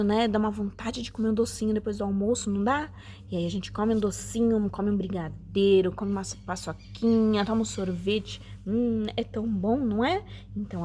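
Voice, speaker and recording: A woman's voice: mid-range voice, a little mellow, slight background noise. A woman teaching a children's Sunday school lesson from home, with a sweet, coaxing manner and many questions to the kids. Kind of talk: children's Bible lesson, talking to the camera.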